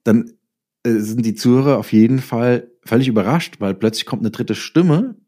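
A man's voice: medium pitch, normal speed, warm tone. A man explaining his craft as a writer in a casual interview, using worked examples. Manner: explains with hypothetical examples and acted-out quotes. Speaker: interviewed writer and audio drama maker.

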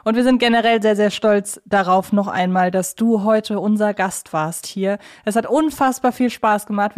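A woman co-hosting a podcast interview, earnest and fond of repeating words for emphasis. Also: medium pitch. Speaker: podcast co-host.

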